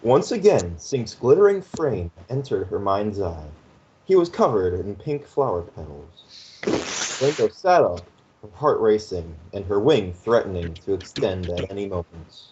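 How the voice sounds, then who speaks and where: Lively male fanfic narrator. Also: on the low side, unhurried, lo-fi sound, background noise. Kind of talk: reading fanfiction aloud.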